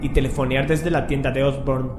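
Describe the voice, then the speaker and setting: A man narrating a horror radio drama from a script in a measured, solemn, literary manner. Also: mid-range voice, little pitch movement, over music. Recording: echoey room, clear background noise.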